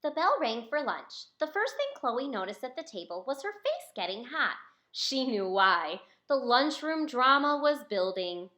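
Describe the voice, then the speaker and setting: Highly animated woman reading a storybook. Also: unhurried. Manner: expressive, addressing young listeners. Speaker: children's author reading own book. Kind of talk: storybook read-aloud to children.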